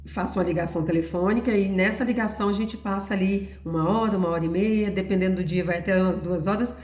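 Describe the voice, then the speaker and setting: A woman's voice: mid-range voice, fast talker, a little mellow. Woman, middle-aged, devotional testimony, earnest storyteller, roomy echo. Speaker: Christian devotional speaker. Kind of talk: personal testimony talk.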